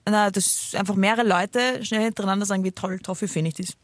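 A woman tells a story in a lively, teasing way during a relaxed chat between friends. The recording is dry and close, with no room around her voice. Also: medium pitch, fairly quick, no room sound. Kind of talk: casual chat, storytelling game.

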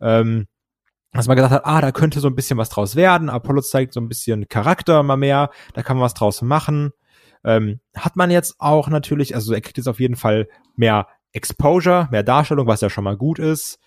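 A man's voice: medium pitch, fairly quick, no echo, clean studio sound. A man co-hosting a casual wrestling podcast, talking hesitantly with many fillers. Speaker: podcast co-host.

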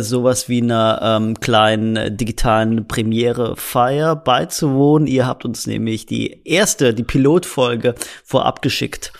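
Podcast co-host, male, casual chat, halting delivery with frequent restarts. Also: medium pitch. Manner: halting, many restarts and fillers.

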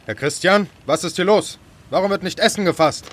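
A man's voice: high-pitched, fairly quick, background noise, close to an everyday voice. A man voicing an old, confused ship captain who barks orders in a pompous, commanding way. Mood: bossy.

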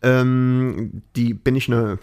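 A man's voice: mid-range voice, steady tone, slow, a little mellow, a little hiss or hum. A man hosting a podcast, telling a story in a loose, chatty way full of fillers and tag questions. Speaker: podcast host. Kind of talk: casual storytelling chat.

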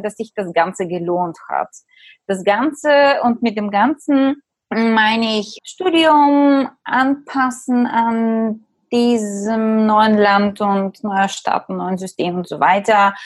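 Young woman, from Bulgaria, first language Bulgarian; interview guest, reflective delivery, husky tone, dry close recording. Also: on the high side, no room sound. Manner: thoughtful, repeats phrases while searching for words. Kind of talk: conversational interview.

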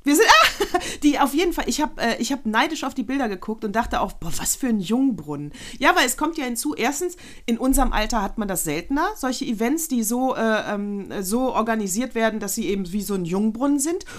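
A woman's voice: a little high, animated, brisk, hardly any pauses, a bit bright. Chatty middle-aged woman, rambling anecdotes. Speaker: podcast co-host. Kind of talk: casual chat.

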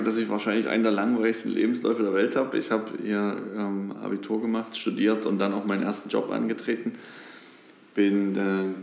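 A man's voice: lowish voice, vocal fry, reverberant. A man in his thirties from Dresden, a company director answering interview questions thoughtfully with frequent fillers. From Dresden, Germany. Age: 30s. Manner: thoughtful, many fillers and restarts, lively when animated. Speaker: guest, company managing director.

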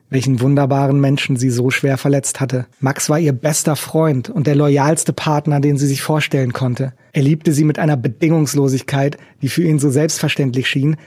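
A man reading a novel aloud as audiobook narrator, steady and measured, on a close studio mic. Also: medium pitch, slightly rough, dry recording.

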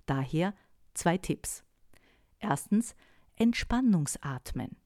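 A woman voice coach giving calm, scripted instructional advice, often asking rhetorical questions. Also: low-pitched, dry recording, studio quality. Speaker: voice and sales-speech coach.

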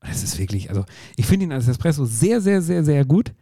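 Male co-host for a casual podcast: creaky, relaxed voice, effusive and emphatic, very dry close sound. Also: fairly high pitch, fairly quick, dry recording. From Italy. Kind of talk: casual chat.

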